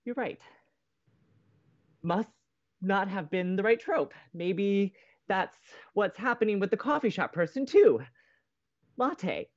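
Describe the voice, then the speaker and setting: A man plays a moody young college radio co-host in an audio romantic comedy. He is theatrical and exclamatory, with swooping pitch. The recording sounds a little dull. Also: animated, takes it slowly, pauses often. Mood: distressed, puzzled. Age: young adult. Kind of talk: naturalistic romantic comedy podcast acting.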